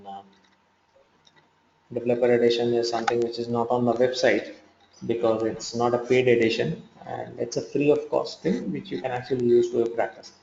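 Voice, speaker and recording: A man's voice: medium pitch, dark tone. A man teaching an online class, his voice breaking up over the call and full of fillers as he thinks aloud. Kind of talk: live online lesson. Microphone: computer mic on a video call. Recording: muffled, echoey online call audio, faint noise.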